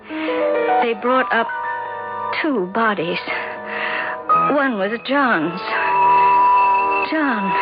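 An actress playing a grieving widow who solemnly recounts her husband's death in a radio drama. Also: a little high. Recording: dull vintage radio broadcast, loud music.

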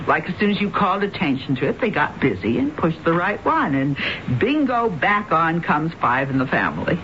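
An actress playing a breezy, practical, reassuring best friend who talks in slangy phrases in a 1970s radio drama. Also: female voice, deep voice, very animated, moderate pace. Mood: sceptical, brisk. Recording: dull, slightly noisy 1970s radio broadcast.

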